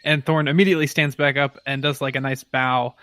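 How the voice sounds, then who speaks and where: Mid-pitched man playing a tabletop game. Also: fairly even intonation, fairly quick, pushed and bright. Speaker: player. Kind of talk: casual tabletop role-play chat.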